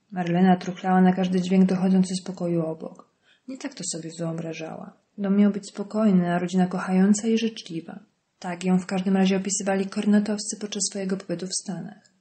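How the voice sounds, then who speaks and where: A woman narrating a crime novel audiobook in a steady, even reading. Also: medium pitch, slight background noise. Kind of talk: scripted narration.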